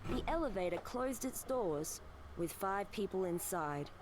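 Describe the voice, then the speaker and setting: A woman's voice: medium pitch, animated, a little slow, a little hiss or hum, natural voice. A woman acting a dramatic, playful narrator of a visual novel game. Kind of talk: theatrical scripted narration.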